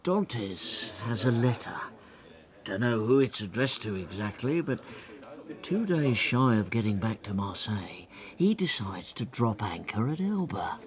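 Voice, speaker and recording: An envious sailor talks slyly and confidentially, his voice rising and falling a lot. He sounds smooth and calculating throughout this radio drama. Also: on the low side, animated, measured pace. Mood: scheming. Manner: sly, scheming, confidential.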